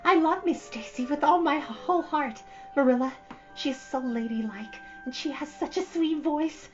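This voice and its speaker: A woman's voice: high voice, moderate pace, faint music behind, pitched above the performer's own voice, natural voice. A woman voicing an eager, gushing young schoolgirl with breathless, theatrical delivery as she reads a storybook. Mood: adoring. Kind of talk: storybook character reading. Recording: dull lo-fi audio.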